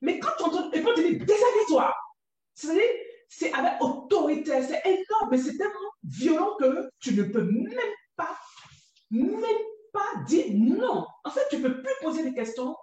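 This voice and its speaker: Intense high-voiced woman in an echoey room. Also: very animated, normal speed, a little mellow. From Côte d'Ivoire. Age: adult mother. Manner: intense, emotional, reliving painful memories. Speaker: guest giving testimony. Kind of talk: emotional personal testimony. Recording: very echoey room, distant mic.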